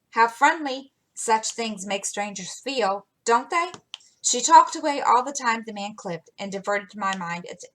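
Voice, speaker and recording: A woman's voice: on the high side, fairly bright tone. A woman reading aloud as an impulsive, spirited teenage girl telling her own tale.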